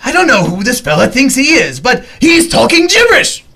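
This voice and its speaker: An actor playing a gleefully deranged clown villain in an audio drama, theatrical and sing-song, mock-affectionate. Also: male voice, very high-pitched, wildly swooping pitch, noisy background, heavily acted. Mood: mocking, indignant. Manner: theatrical, sing-song, drawn-out, lurching from murmurs to shrieks.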